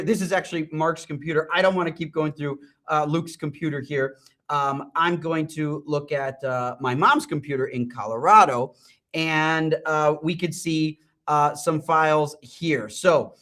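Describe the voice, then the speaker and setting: A middle-aged man hosting a live-streamed product talk and software demo, enthusiastic and rambling, with frequent ums and restarts. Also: a little high. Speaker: host and company CEO.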